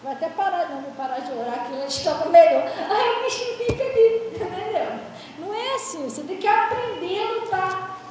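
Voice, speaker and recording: A woman pastor preaching in an animated, laughing storytelling style. Her voice is very high, with a long hall reverb from a distant mic and faint background noise. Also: brisk. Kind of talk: storytelling sermon. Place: church. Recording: echoey church hall, mic far off.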